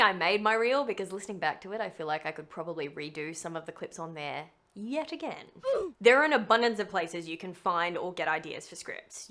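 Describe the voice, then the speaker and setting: A woman's voice: fairly low pitch, sharp tone. A woman giving a scripted tutorial in a chatty, emphatic way with some self-deprecating humour. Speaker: voice actor teaching how to make a demo reel. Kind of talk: scripted tutorial narration to camera.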